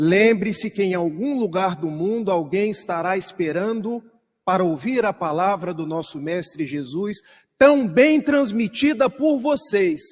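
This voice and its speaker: A high-pitched man takes his words at a fairly slow pace. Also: lively intonation. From Brazil, interior of Rio de Janeiro state near Minas Gerais. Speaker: spiritist lecturer. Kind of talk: inspirational talk. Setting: theatre stage with audience. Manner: emotional, rhetorical questions.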